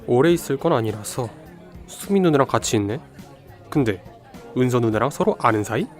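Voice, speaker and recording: A man's voice: medium pitch, lively intonation, moderate pace, faint music behind, lightly acted. A man playing a confident young detective in a student radio drama, cool and assertive. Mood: curious.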